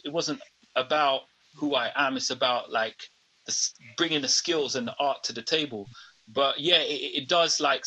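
A man's voice: mid-range voice, breathy edge, low-quality recording. A man in his fifties with a London accent, talking casually as a guest rapper in an interview. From England. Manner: relaxed, says "man" often.

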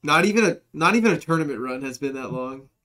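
A young man co-hosts a live gaming podcast and teases his chat in a playful, casual way. His voice is bright and a little high. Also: lively intonation, quick pace. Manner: playful, teasing, addresses chat. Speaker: podcast co-host.

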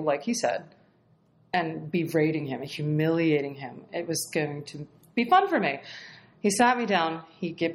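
A woman guest telling a story in casual, animated talk, swearing freely and laughing as she goes. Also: on the low side. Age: adult, past marriage. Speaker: podcast guest.

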